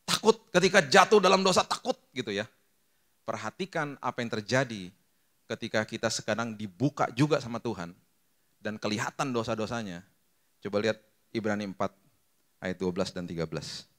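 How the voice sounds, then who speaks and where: A middle-aged man preaching a sermon as pastor, lively and acting out quoted voices, with English phrases mixed in. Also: lowish voice, fairly quick.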